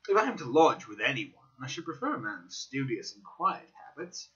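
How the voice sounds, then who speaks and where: A man voicing an inquisitive, reserved gentleman doctor with a formal, questioning manner in a dramatic audiobook reading. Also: medium pitch, very animated, brisk. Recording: dull lo-fi recording.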